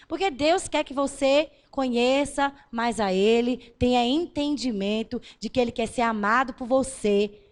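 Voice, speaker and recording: High-voiced woman preaching with fervor. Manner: emphatic preaching, rising to loud exclamations and dropping to soft intimate lines; addresses the congregation directly. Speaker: pastor. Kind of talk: sermon.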